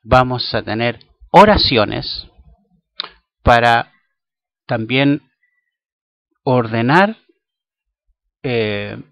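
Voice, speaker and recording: A man's voice: mid-range voice, animated, drawn-out words, gravelly, pauses often, fairly bright tone, dry recording. A man whose first language is Spanish, teaching an English grammar lesson in a playful way, repeating words aloud to drill pronunciation. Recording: dull lo-fi recording.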